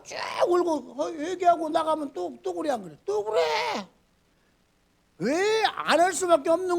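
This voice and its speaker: A middle-aged male pastor preaching a sermon in a colloquial style, with loud outbursts, low mutters and rhetorical questions to the congregation. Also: vocal fry.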